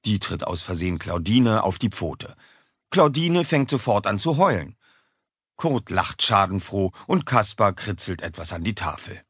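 A man narrating a children's audiobook in a lively, expressive way, recorded on a close studio mic. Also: on the low side, husky, no room sound. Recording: dry close studio sound.

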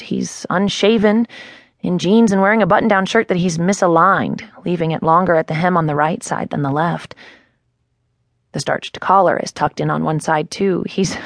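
A woman's voice: on the low side, vocal fry, dry recording. A woman narrating a first-person novel in a wry, conversational way on a close studio mic. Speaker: audiobook narrator. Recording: dry studio booth.

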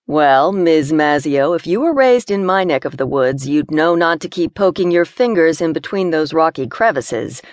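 A woman voicing an easygoing, teasing young man from the countryside who stays calm. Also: sits low, normal speed, hardly any pauses, dry recording.

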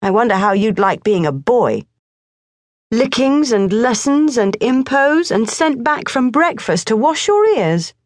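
A woman's voice: fairly high pitch, big pitch swings, unhurried, dry recording, clean studio sound, voice pushed up. A woman voicing an anxious, earnest young boy in a storybook reading. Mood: scornful. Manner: pleading, earnest. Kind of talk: audiobook character voice.

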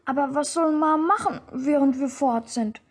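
A woman's voice: high-pitched, normal speed, lightly acted. A woman voicing a curious six-year-old boy in a radio drama who asks earnest, wondering questions. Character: little boy, about six, curious and eager.

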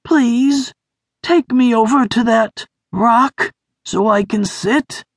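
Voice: medium pitch, takes it slowly, no echo, studio quality, voice pushed up. A storybook reader voicing a weak, wheezing, plump young male creature who survived a fire. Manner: wheezy and breathless.

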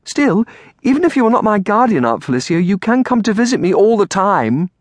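A very high, tearful young girl of about eleven, acted out by a male narrator, pleading and halting in a storybook tale. The voice swoops with feeling and is recorded close and dry. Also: wildly swooping pitch, dry recording, exaggerated voice. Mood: eager, pleading. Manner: tearful, halting, stammering on first words. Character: distraught, pleading eleven-year-old orphan girl.

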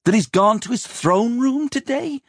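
A man's voice: extremely high pitch, expressive, unhurried, no room sound, clean studio sound, voice pushed up, full character voice. A man voicing a cross, exasperated older head chambermaid who barks and scolds in a storybook reading. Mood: impatient, scornful. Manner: barking, exasperated, dramatic swoops. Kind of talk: audiobook character voice.

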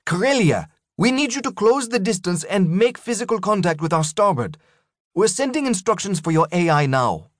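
A man voicing a calm, professional female starship captain who gives steady, measured commands. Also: high voice, no room sound, clean studio sound, pitched above the performer's own voice. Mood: urgent, controlled.

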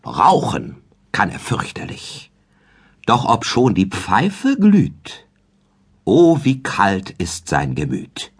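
A man's voice: slow pace, breathy edge. A man narrating a comic verse story as an audiobook, reciting in a rhythmic, sing-song way. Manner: lively, sing-song rhythmic recitation with wide pitch swings.

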